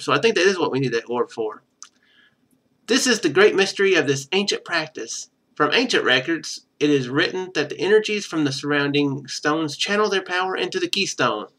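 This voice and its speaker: Male let's-play streamer, bright forceful tone, slightly high pitch, reads game text and comments casually. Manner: thinks aloud while playing.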